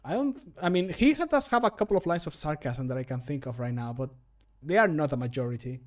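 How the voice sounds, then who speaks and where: Male streamer, 30s, higher-pitched than average, casual and jokey, muses aloud while working. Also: expressive, quick pace. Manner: jokey, self-deprecating, thinking aloud. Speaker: streamer, game modder recording voice lines. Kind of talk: casual livestream chat. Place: small home room, indoors.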